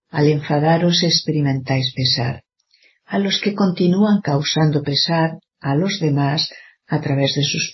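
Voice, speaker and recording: Brief: sermon reader, formal and measured, speaks to the flock as children, middling pitch, muffled low-fi recording. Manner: measured, even, addresses listeners as children. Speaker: reader of a spiritual discourse. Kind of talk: formal scripted reading of a sermon.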